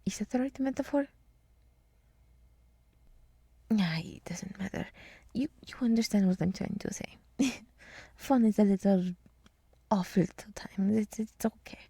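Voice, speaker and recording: A woman playing a gentle, earnest deer woman in an ASMR roleplay, speaking in a soft, breathy, mostly whispered voice with an encouraging, rambling manner. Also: medium pitch, normal speed, no room sound. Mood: self-effacing, flustered.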